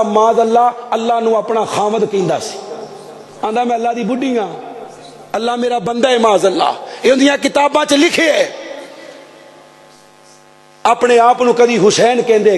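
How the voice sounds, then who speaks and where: A man in his thirties with a Punjabi accent, preaching an impassioned sermon into a close mic, often shouting and calling on the crowd to answer. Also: extremely high pitch. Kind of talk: fiery sermon. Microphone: stand mic close up.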